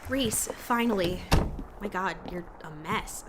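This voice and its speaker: An actress playing a stubborn, defiant young woman with an insistent, sharp-tongued manner in an audio drama. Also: mid-range voice, takes it slowly, lightly acted. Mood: brisk, teasing. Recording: clear background noise.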